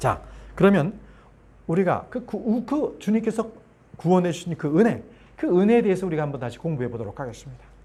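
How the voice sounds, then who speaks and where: Very fast speech broken up by long, frequent pauses. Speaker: Bible study teacher. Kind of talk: Bible study lecture.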